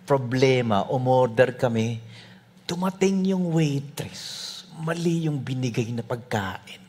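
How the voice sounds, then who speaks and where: A male pastor preaching a sermon with humorous storytelling, often dropping to soft asides. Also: mid-range voice, animated, slow, breathy edge.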